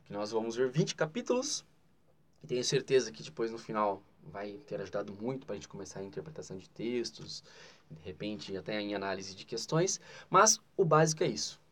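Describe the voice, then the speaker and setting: A man's voice: fairly low pitch, lively intonation, brisk, fairly bright tone. A man with a Brazilian Portuguese accent giving a grammar lesson in an explanatory way, often adding "né?" and leaning hard on key terms. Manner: explanatory, with frequent "né?" asides and spoken emphasis. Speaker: teacher.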